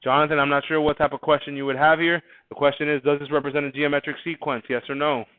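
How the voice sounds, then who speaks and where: Talking fast in a slightly high voice with little pitch movement, a man reviews quiz answers for his math class. The tone is clean with no echo, and he stays casual and conversational, often restarting and repeating words while thinking; the sound is dry, narrow, and phone-like.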